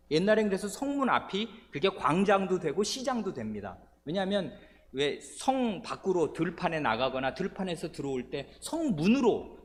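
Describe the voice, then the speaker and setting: A male pastor teaching a Bible study, animated, asking questions and calling out examples to the congregation. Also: on the high side. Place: church. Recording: long church hall reverb.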